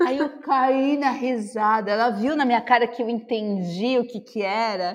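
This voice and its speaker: A woman speaks with a São Paulo accent. Her pitch is high. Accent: São Paulo Brazilian Portuguese. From Brazil, São Paulo city. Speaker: wine consultant and tour guide. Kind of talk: casual interview.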